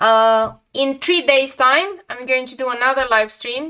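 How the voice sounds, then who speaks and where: A woman's bright, sharp tone at a fairly slow pace, with ordinary pitch variation. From Romania. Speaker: art livestreamer. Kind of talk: casual chat. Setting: live stream at home.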